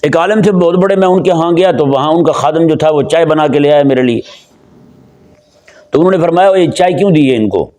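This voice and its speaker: Man from pakistan preaching, kinda high voice, chatty, keeps asking the crowd stuff. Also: a little mellow. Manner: conversational, asks the audience questions; slows down for Quranic recitation. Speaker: Islamic preacher. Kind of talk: sermon. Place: before a seated gathering.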